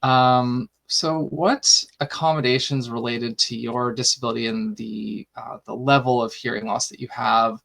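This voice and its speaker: Gravelly-voiced male podcast host. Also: mid-range voice, steady tone, measured pace, hardly any pauses, a bit bright, slight background noise. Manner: rambling, filler-heavy, friendly asides. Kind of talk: casual interview talk.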